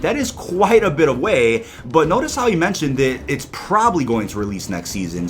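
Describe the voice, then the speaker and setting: Guy doing video game news, kinda high voice, really swoopy delivery, chatty and punchy with little rhetorical asides. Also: a bit bright. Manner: conversational, emphatic, with rhetorical asides. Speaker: gaming news video host.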